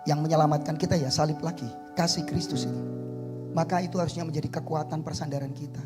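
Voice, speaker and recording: A middle-aged male pastor with an East Javanese accent preaching an animated sermon in a church, swinging between soft asides and shouted peaks and calling for amens. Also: a little high, quick pace, over music. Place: church sanctuary.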